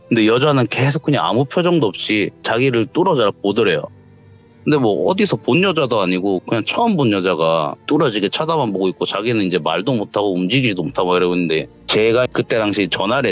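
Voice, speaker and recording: A low-voiced man tells a true ghost story over a voice call, his pitch rising and falling a lot as he acts out each moment. The sound is dull and lo-fi, with faint music playing underneath. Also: a little fast. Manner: animated storytelling, acting out quotes. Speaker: caller telling a viewer's story.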